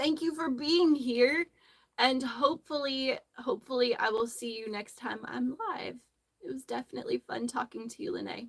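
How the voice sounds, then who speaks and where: This woman's high-pitched voice moves at a moderate pace, with ordinary pitch variation and big swings in loudness. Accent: American. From Western Massachusetts. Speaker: crochet livestreamer. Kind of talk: casual livestream chat. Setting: livestream.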